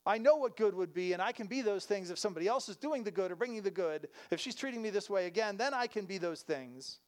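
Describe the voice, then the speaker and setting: A preacher voicing a resentful man who grumbles that others owe him more, talking loudly and with a sense of grievance. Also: sits high, expressive, quick pace. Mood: aggrieved. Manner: aggrieved, loud complaining.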